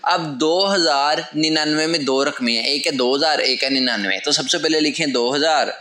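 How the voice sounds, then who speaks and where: A man's voice: a little high, moderate pace, pushed and bright. A man teaching a lesson at a whiteboard. He explains patiently, step by step, and repeats his key phrases. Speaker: language teacher. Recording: echoey room.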